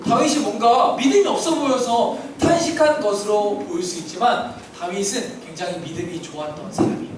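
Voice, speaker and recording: A man's voice: very high-pitched, slight background noise. A man preaching to children at church and leading them in call-and-response answers. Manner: asks kids questions, leads call-and-response. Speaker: children's pastor. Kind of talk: interactive children's sermon. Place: church hall. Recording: very echoey hall, distant mic, children audible.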